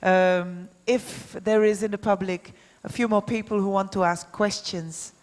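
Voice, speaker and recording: A woman moderating a live debate, speaking politely in halting phrases. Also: medium pitch, steady tone, darkish tone. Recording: echoey hall, long reverb.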